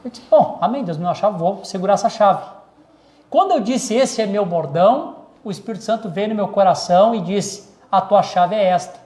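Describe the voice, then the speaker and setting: A male pastor tells a story from the pulpit in a fairly high voice. He circles back, restarts phrases and repeats key words as he preaches. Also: a little fast, a little mellow. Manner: storytelling, many repetitions and restarts. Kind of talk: sermon testimony.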